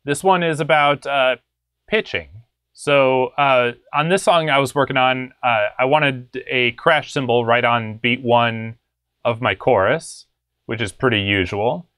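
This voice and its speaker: Young male tutorial host, mid-pitched, conversational and laid-back, recorded dry. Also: measured pace, fairly bright tone, smooth, no echo. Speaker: music production tutorial host. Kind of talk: casual screen-share tutorial. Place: small home studio room.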